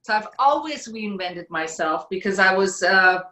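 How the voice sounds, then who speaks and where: Brief: middle-aged woman from Switzerland, sharp bright tone, plain storytelling, roomy video call sound. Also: medium pitch, animated, normal speed. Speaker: guest. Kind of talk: casual video call chat. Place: home room. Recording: echoey room on a video call.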